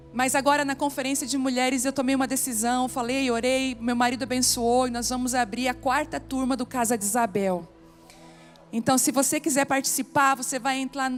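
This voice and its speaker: A middle-aged Brazilian woman pastor preaching at a women's conference, telling personal stories and building to emphatic exhortation. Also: high voice. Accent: Brazilian Portuguese. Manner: emotional, personal storytelling, rising to emphatic preaching. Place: church conference stage.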